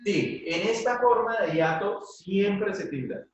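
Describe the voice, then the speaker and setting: A male teacher with a high-pitched voice takes it slowly through a classroom grammar lesson, patiently checking in with students after each point. The room is very echoey, and he sounds far from the mic.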